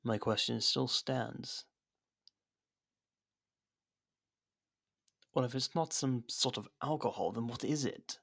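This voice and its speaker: A man playing a captured, haughty royal rival with dry sarcasm and theatrical pauses in an ASMR roleplay. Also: medium pitch, creaky, fairly bright tone, breathy edge. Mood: mocking curiosity.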